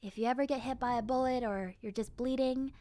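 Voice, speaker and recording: A woman's voice: a little high, fairly even intonation, a little fast, mellow, close to an everyday voice. A woman voicing a friendly, lonely young zombie girl in an audio roleplay, chatting casually and girlishly straight to the listener. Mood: chatty.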